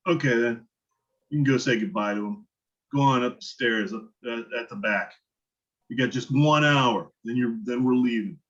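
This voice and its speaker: The sound is muffled and lo-fi. A man plays a gruff working-class father in a script read, blunt and suspicious, questioning curtly in a mid-pitched voice. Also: moderate pace, fairly bright tone, close to an everyday voice. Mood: grudging. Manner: curt, interrogating. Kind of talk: virtual table read of a film script.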